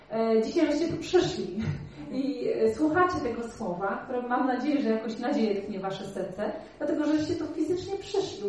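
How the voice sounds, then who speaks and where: A woman preacher with a fairly high voice teaches her congregation earnestly, often checking in with rhetorical questions. Her voice rings around a big reverberant hall, picked up from some way off the mic. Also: a little mellow, a little hiss or hum. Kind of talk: sermon. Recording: very echoey hall, voice from far off.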